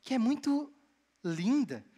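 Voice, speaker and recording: A young man from Bahia, Brazil, preaching a sermon as a seminarian and telling stories with lively delivery. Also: extremely high pitch, slow, slightly rough. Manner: storytelling, animated, addresses the congregation directly. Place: church hall. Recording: long church hall reverb.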